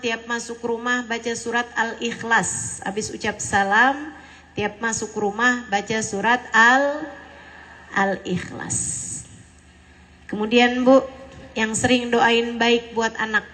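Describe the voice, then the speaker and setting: Female preacher, somewhat high voice, unhurried earnest sermon delivery to mothers, slangy touches. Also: fairly even intonation, sharp tone, poor audio. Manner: slow, earnest preaching mixing casual everyday slang.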